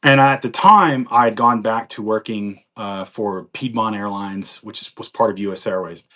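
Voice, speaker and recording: A man's voice: lowish voice, moderate pace, pushed and bright. A man in his forties from the United States, telling his life story in a rambling, chatty way with frequent laughs. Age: 40s. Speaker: guest on a live chat. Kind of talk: casual chat.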